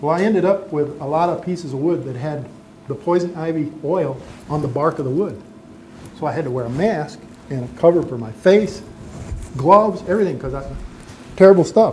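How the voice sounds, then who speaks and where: A man with a fairly high voice at a fairly quick pace, long and frequent pauses, big swings in loudness, audible room echo and noticeable background noise. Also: ordinary pitch variation. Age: 60s. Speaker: woodturner. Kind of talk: live demonstration. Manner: casual, conversational.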